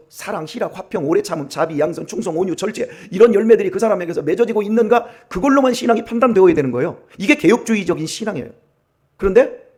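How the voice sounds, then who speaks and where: High-voiced man preaching a dawn sermon. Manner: emphatic, swings between loud and hushed. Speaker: pastor. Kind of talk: early-morning sermon. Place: church.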